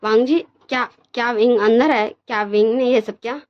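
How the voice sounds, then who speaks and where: A woman's voice: on the high side, steady tone, normal speed, natural voice. A woman voicing a stern, middle-aged mother who scolds her son, in a dull lo-fi recording. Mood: worried.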